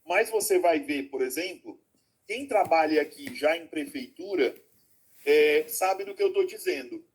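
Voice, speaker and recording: Guy teacher on a video call, husky voice a bit high, keeps asking "ok? got it?". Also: expressive, measured pace. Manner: explains with frequent check-in questions; affectionate, calls students "my loves". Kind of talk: online class lecture.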